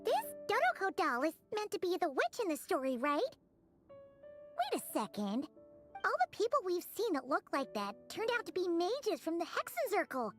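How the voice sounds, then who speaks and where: Chirpy little game fairy; very high and squeaky, lively inflection. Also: female voice, normal speed, faint music behind, exaggerated voice. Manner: excited, inquisitive. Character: tiny floating female fairy companion, chirpy and curious. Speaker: game character.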